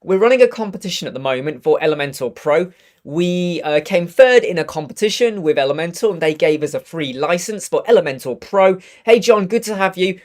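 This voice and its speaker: A man in his thirties with a croaky voice from a cold, chatting upbeat through a live web design tutorial. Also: sits high, animated, a little fast, darkish tone. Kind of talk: casual live tutorial chat. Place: home studio room with purple lighting.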